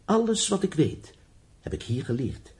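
An earnest young teacher and inventor in a radio drama. He is stubborn and idealistic, with a lonely streak. His delivery is deliberate and emphatic, with pitch that rises and falls dramatically. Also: wildly swooping pitch, darkish tone. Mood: defiant, resolute. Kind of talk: Dutch radio play acting.

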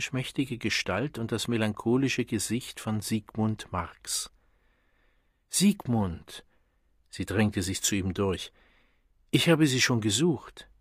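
A man with a husky voice narrating an audiobook in a measured reading manner. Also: lowish voice, dry recording, studio quality.

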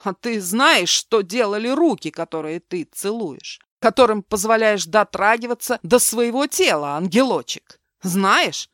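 A woman's voice: fairly low pitch, expressive, measured pace, few pauses, fairly bright tone, dry recording, studio quality. A woman voicing a bitter, vengeful man just out of prison, harsh and mocking with a raised voice.

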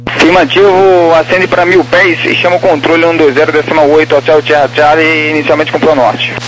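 Brazilian guy doing tower control on the radio, super quick and procedural, bit of hiss and hum. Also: fairly high pitch, level tone, a bit bright. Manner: brisk, procedural. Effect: radio transmission. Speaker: air traffic tower controller. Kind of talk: clipped aviation radio phraseology. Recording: noisy, humming aviation radio.

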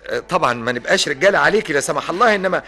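A man's voice: fairly high pitch, animated, very fast, creaky, bright, forceful tone, soft background music, full character voice. An actor playing an earnest young adult son in a radio drama, coaxing and arguing with his mother, with an Egyptian accent. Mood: pleading. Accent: Egyptian Arabic. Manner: coaxing, argumentative.

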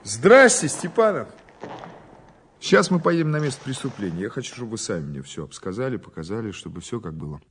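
An actor playing a patient, quietly authoritative criminal investigator who asks measured, informal questions in an audio drama. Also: male voice, medium pitch, big pitch swings. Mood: firm, businesslike. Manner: measured questioning, informal, alternating soft and firm. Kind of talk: Russian audio drama acting. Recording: noticeable background noise.

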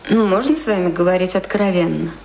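An actress playing a refined, educated young woman in a radio drama, speaking properly with an admiring, gently instructive manner. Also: lowish voice, quick pace, creaky, reverberant, slight background noise.

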